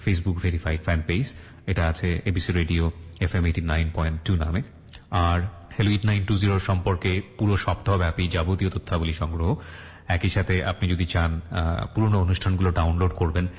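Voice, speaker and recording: A male radio host with a very low voice talks in a measured announcer's manner, spelling out addresses slowly and clearly. The broadcast sound is dull and muffled, with a long reverb trailing each phrase. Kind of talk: radio talk show hosting and interviewing. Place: radio studio.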